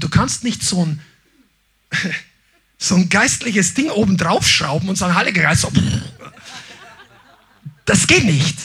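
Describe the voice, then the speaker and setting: A man preaching a sermon, animated, often shouting his emphasis and acting out quotes in little voices. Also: very high voice, slightly rough. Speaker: pastor.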